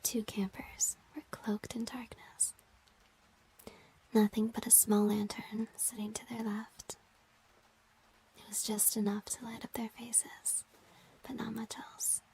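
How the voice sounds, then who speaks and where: A woman playing a playful, flirty crush in an intimate ASMR roleplay, speaking in a soft, breathy whisper with a teasing, hesitant manner. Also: fairly high pitch, little pitch movement, slow, long pauses, poor audio. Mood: hushed storytelling. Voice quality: breathy, mostly unvoiced whisper.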